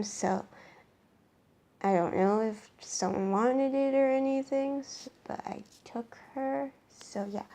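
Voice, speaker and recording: A young woman from Canada with a hoarse, worn-out voice, rambling casually through a show-and-tell vlog with many ums and restarts. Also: a little high, mellow. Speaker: vlogger.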